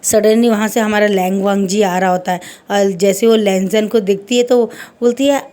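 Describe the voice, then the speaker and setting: A woman's voice: medium pitch, fairly even intonation, normal speed, warm tone. A woman telling a romance fan fiction story aloud in a rambling, conversational way.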